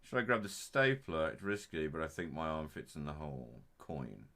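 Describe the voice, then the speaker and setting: A man's voice: very deep voice, very animated, moderate pace, a bit bright. A young man with a Black Country accent gives casual, rambling let's-play commentary, joking between moments of play. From English Midlands. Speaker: game streamer.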